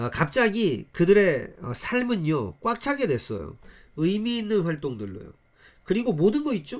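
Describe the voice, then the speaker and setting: A man's high, animated voice with very wide pitch swings, at a fairly slow pace on a very clean recording with a silent background. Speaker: English teacher. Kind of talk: lecture.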